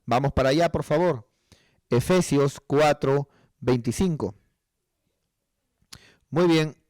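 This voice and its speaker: A man's voice: fairly high pitch, slow pace, darkish tone, no echo. A man preaching a sermon as pastor, building to emphatic passages and acting out people's prayers.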